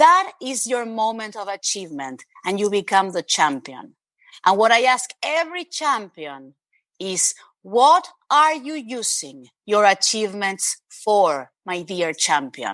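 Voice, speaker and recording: A woman with an Argentine accent, very wide pitch swings and a fairly slow pace, in a quiet background. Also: medium pitch for a woman. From Argentina. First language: Spanish. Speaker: journalist and author. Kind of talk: interview.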